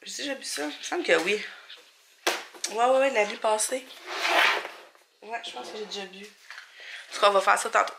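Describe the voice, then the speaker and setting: A woman's voice: mid-range voice, moderate pace, vocal fry, long pauses, heavy background noise. A young woman with a Quebec French accent and a stuffed-up nose, chatting casually and thinking aloud in a vlog at home. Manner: rambling, informal, thinking aloud. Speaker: vlogger and mother. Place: indoors at home.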